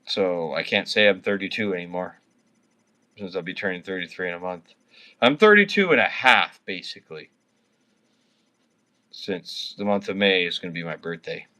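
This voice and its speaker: Drunk man, bright tense voice. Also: deep voice, expressive, normal speed, pauses often. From Canada. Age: 30s. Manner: rambling, swears constantly. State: drunk, slurring words. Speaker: livestreamer. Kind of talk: casual livestream chat with viewers.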